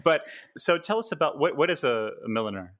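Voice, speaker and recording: A man with an American accent hosting a podcast interview, friendly and quick to laugh, with some hesitant fillers. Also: a little high, big pitch swings, a bit bright. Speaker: podcast host. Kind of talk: casual interview chat.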